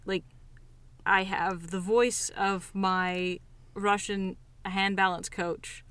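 A woman co-hosting a podcast, speaking in a measured, deliberate way as she searches for her words in casual conversation. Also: medium pitch, fairly even intonation, fairly bright tone, clean tone, dry recording. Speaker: podcast co-host and circus performer.

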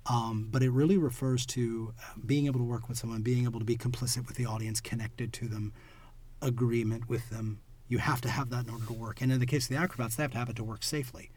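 Husky man explaining thoughtfully. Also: mid-range voice, fairly even intonation, fast talker. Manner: thoughtful, explanatory, trailing off quietly at ends of phrases. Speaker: podcast co-host and clown performer. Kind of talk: reflective casual conversation.

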